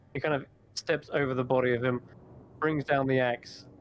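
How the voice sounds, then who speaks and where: A man narrating a tabletop game as game master, descriptive and unhurried. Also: mid-range voice, steady tone, a bit bright, slight background noise.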